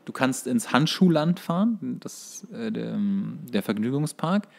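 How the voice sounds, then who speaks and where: Male podcast co-host, gravelly fry, casual chat, explanatory, searching phrasing. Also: mid-range voice, expressive, unhurried.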